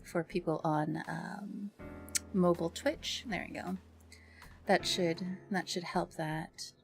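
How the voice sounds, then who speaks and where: A woman hosts a livestream, chatting casually into a streaming mic and grumbling about herself in a self-deprecating way. Her voice is fairly low and creaky, with a steady tone and a slow pace. Soft music plays in the background.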